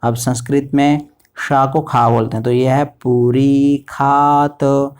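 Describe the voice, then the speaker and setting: A man teaching pronunciation of Sanskrit mantras, chanting each word slowly and repeating it before giving short explanations. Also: mid-range voice, steady tone, darkish tone. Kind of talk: slow word-by-word recitation lesson.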